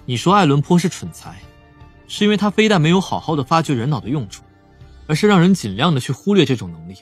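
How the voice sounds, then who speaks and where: Audiobook casting: young male investigator, calm reasoning mind, slightly rough mid-range voice, music underneath. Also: a little high, quick pace. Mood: analytical. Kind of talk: dramatised audiobook acting.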